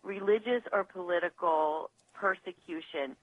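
A woman lawyer, a guest on a radio show, talking over the phone in a measured, analytical way with some hesitations. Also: fairly low pitch, dry recording. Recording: dull phone line, dry.

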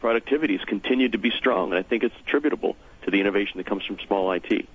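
Husky low-voiced man on a phone line. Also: racing, no echo. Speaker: interview guest, technology trade association representative. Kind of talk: explanatory radio interview. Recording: thin, muffled phone line.

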